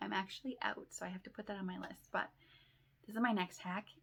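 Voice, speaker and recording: The speaker here is a woman. There is a somewhat breathy quality to her voice. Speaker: mom vlogger. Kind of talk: casual tutorial vlog. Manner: fast; chatty, informal.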